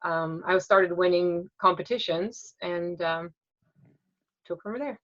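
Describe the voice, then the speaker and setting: A woman's voice: lowish voice, slow pace, highs cut off. A woman who grew up in Sweden, telling her life story candidly and reflectively in a documentary interview.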